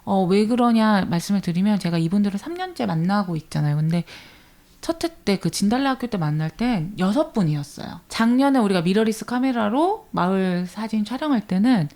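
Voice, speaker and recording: A woman from rural talks about her work with a soft regional lilt, in a middle-pitched voice. She tells her stories in an earnest, animated way, slipping into the voices of the people she describes. It sounds like a relaxed radio studio interview. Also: a little fast. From rural Jeolla region of Korea. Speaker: guest, village media educator. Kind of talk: conversational interview.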